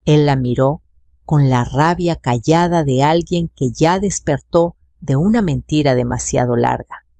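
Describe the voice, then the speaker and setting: Older female storyteller, gravelly, dark, dramatic first-person narration. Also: deep voice, a little slow, no echo.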